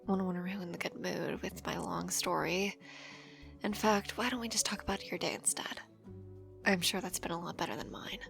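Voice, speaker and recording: A woman playing an affectionate, teasing working wife in an ASMR audio roleplay, chatty and expressive. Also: on the low side, normal speed, vocal fry, over music. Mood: gentle, caring.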